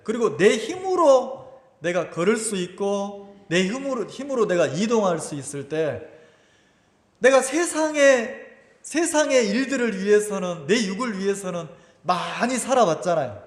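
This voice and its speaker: Animated pastor preaching in an echoey hall. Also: male voice, sits high, measured pace. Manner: emotional storytelling, quoting his mother and himself. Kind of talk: sermon. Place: church sanctuary.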